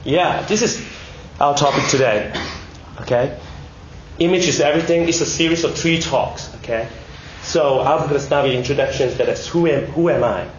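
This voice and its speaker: A man with a Malaysian accent, recovering from a cold, giving a prepared Christian talk in measured short phrases with rhetorical questions. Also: on the high side. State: recovering from a bad cold, one ear blocked. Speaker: speaker at a Christian public talk. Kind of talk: prepared sermon-like talk to students. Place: indoor room, speaking to an audience. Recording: echoey room, dull sound, faint noise.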